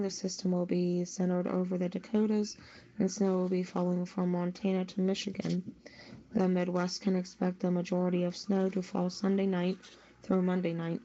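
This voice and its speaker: A woman's voice: lowish voice, warm tone. A woman reading a scripted weather report as a news podcast's weather reporter. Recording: dull lo-fi sound.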